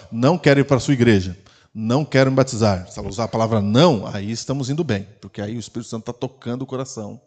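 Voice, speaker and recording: A man with a Brazilian Portuguese accent, preaching a sermon as pastor in a conversational way, full of rhetorical questions and sharp swings between quiet and loud. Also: medium pitch. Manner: loudness rises and falls sharply. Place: church.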